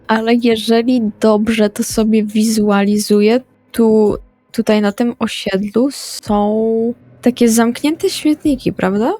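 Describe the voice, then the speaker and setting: A woman playing a tabletop roleplay, casually and deliberately describing things detail by detail. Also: a little high, steady tone, warm tone, dry recording.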